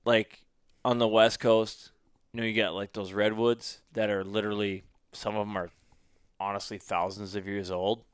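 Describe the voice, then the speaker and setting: Outspoken guy ranting casually, smooth clear voice, dry close sound. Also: fairly low pitch, little pitch movement, normal speed, dry recording. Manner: blunt, opinionated, swears freely. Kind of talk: casual chat.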